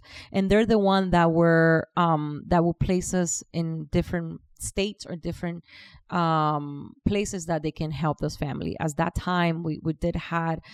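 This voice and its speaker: On a very clean recording with a silent background and a dry, close sound with no echo, a woman speaks at a fairly slow pace in a fairly low voice with fairly even intonation. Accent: Spanish. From Cuba. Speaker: realtor and podcast host. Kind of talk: interview storytelling. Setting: podcast interview. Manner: hesitant, with fillers.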